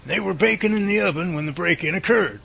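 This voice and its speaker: Man acting a bright, gravelly folksy professor. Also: high-pitched, fast, a little hiss or hum, full character voice. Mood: wry, explanatory. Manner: folksy, explanatory, take-charge. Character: folksy, confident professor leading Bigfoot research, good-humored. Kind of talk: radio drama acting.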